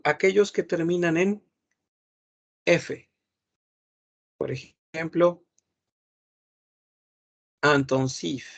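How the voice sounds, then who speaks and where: Slow, gravelly-voiced man teaching. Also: fairly high pitch, dull audio. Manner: patient, repeats words several times, thinks aloud with hums. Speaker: French teacher. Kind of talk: slow online lesson explaining grammar.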